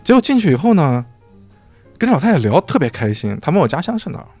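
Man, podcast guest, animated storytelling, dry close mic, faint music. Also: a little high, fast, no room sound. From Xinjiang, China. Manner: animated, acts out quoted dialogue. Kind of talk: casual storytelling chat.

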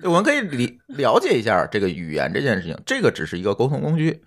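Lively, fast-talking man co-host. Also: medium pitch. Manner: emphatic, opinionated, steers the topic. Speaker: podcast co-host. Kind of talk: casual chat.

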